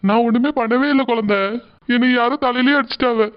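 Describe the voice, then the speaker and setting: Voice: mid-range voice, steady tone, fast talker, smooth, muffled recording, lightly acted. An actor voicing a meek, hurt cartoon husband who pleads his innocence. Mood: pleading, hurt. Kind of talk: cartoon dub dialogue.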